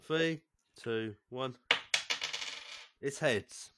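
A man's voice: medium pitch, extremely slow, fairly bright tone, slight background noise. A man, co-hosting a podcast in a rambling, hesitant way, often trailing off mid-thought. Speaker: podcast co-host. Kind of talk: casual chat.

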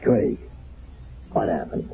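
An actor playing a flustered, concerned American army captain in a radio drama, gravelly and stammering. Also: male voice, slow pace, natural voice. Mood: startled, concerned. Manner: stammering, repeating himself. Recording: tinny, narrow old radio broadcast.

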